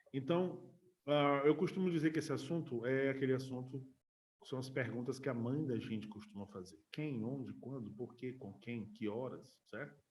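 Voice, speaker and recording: A man's voice: mid-range voice, darkish tone. Brazilian man teaching English patiently. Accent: Brazilian Portuguese. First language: Portuguese. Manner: explains patiently, repeats words and checks in with "certo?". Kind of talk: online language lesson.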